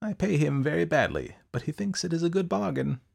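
A man's voice: a little high, animated, brisk, gravelly, slightly rough, voice pushed up, heavily acted. A man voicing a menacing, self-satisfied, eccentric schemer in an audiobook, with formal, precise, clipped delivery. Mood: smug, boastful.

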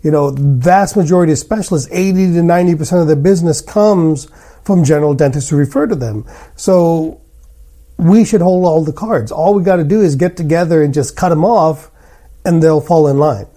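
A man's voice: a little high, fairly quick, warm tone. A man hosting a podcast conversationally, with a blunt, opinionated way of talking. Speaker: podcast host, general dentist. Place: hotel room.

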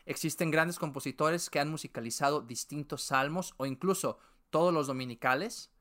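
A speaker, teaching in a calm, orderly podcast style. Terms are laid out one by one and repeated for clarity. The pitch sits in a middle range. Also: normal speed. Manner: methodical, lists and repeats terms step by step. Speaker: podcast host teaching liturgical music. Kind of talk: educational podcast explanation.

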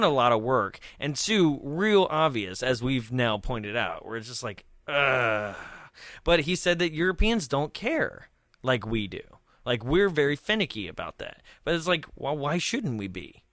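A man's voice: mid-range voice, fairly bright tone, no echo, studio quality. A young man chatting casually about a movie as a podcast co-host, rambling with many fillers and frequent laughs.

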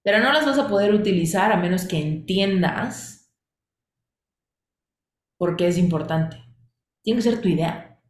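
A woman's voice: medium pitch, lively intonation, unhurried, pauses often, reverberant. A woman teaching a coaching class, asking questions and listing points in repeated phrases. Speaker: coaching instructor.

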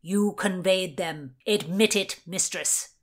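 A woman voicing a stern, commanding nobleman who interrogates a prisoner in a cold, slow, imperious manner. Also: high-pitched. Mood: cold menace.

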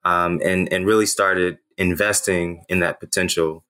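Deep-voiced man speaking Haitian Creole natively. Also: steady tone, measured pace, pushed and bright, clean tone. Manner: earnest and reflective, with frequent "you know". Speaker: author and interview guest. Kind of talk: personal storytelling in an interview.

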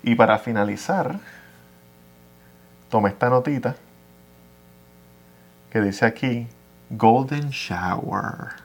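A man with a Puerto Rican accent, a guest chatting casually outdoors in a park, telling animated stories, laughing often and swearing casually. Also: medium pitch, takes it slowly, long pauses. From Puerto Rico. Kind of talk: casual chat.

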